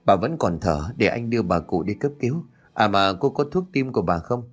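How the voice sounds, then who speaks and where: A man's voice: fairly low pitch, expressive, brisk, breathy edge, faint music behind. A man as a shaken, stammering young man. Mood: urgent. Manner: stammering, hesitant. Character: shaken young man, hesitant and guilt-ridden.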